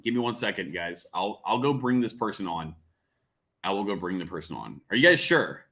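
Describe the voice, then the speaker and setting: Forceful, excitable male livestream host. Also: deep voice, fairly quick. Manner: excitable, repeats phrases, teasing, swears. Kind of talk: casual livestream commentary to chat.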